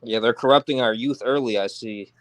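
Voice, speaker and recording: A man's voice: medium pitch, a little fast, fairly bright tone, no room sound, rough recording. A man from New York with a New York accent, chatting casually as a guest while driving in his car. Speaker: call-in guest. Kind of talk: casual chat.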